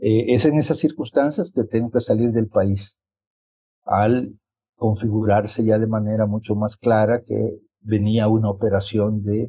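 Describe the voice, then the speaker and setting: Fairly slow and somewhat breathy, a man speaks with a fairly low pitch, a dark, mellow tone and fairly even intonation. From El Salvador. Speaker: exiled left-wing politician. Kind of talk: interview.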